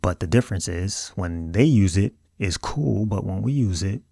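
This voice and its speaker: A man's voice: deep voice, animated, moderate pace, vocal fry, warm tone, breathy edge, no room sound, clean studio sound. A man with an African American accent delivers scripted video commentary in an earnest, emphatic, colloquial way. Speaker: video host.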